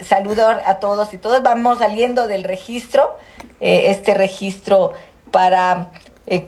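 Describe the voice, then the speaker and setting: Female politician from Guerrero, mid-pitched, measured and halting. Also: darkish tone. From Guerrero, Mexico. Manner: measured, halting, with many fillers. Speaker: politician, senator.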